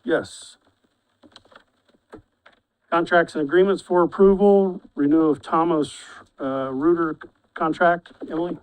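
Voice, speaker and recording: Brief: male commissioner chairing a public meeting, voice sits a bit high, halting repeats. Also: fairly even intonation, smooth, rough recording. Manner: halting, repeats words when restarting. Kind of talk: formal meeting procedure. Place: county meeting room.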